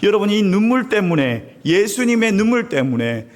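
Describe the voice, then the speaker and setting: A man's voice: sits high, big pitch swings, normal speed. A man, the senior pastor, preaching a Sunday sermon in a church sanctuary. He tells stories animatedly, acts out crowds and weeping, and keeps turning to speak straight to the congregation. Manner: often appeals directly to the congregation.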